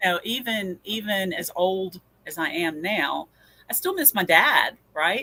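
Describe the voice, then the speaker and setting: With a Southern US accent, a woman speaks at a fairly slow pace in a medium-pitched, bright, sharp tone, her pitch varying in an ordinary way and her loudness swinging widely. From US South, Tennessee. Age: 50s. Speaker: paranormal researcher and author. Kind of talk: casual interview.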